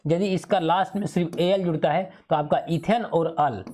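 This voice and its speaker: A man's voice: on the high side, moderate pace, darkish tone. A male teacher giving an exam revision lesson in speech, who keeps asking questions and answering them himself, repeating the key terms.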